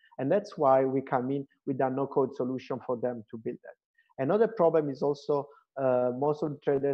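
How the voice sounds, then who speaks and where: A man speaks in an Italian accent at a fairly high pitch. His pace is moderate, and his intonation is fairly even. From Italy. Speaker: startup founder. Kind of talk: startup pitch. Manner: hesitant, many fillers.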